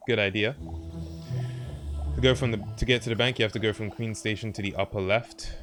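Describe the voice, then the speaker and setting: A man with a fairly low voice gives casual let's play commentary, thinking aloud with mild slang. Game music plays clearly behind him. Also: steady tone, fairly quick. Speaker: game streamer.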